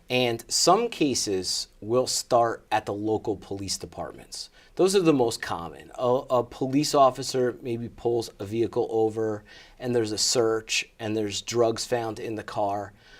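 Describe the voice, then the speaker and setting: Recorded very cleanly over a silent background, a man with an American accent speaks in an ordinary speaking voice at a fairly slow pace, medium in pitch with ordinary pitch variation. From New Jersey, Morris County. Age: 30s. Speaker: criminal defense attorney. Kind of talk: interview.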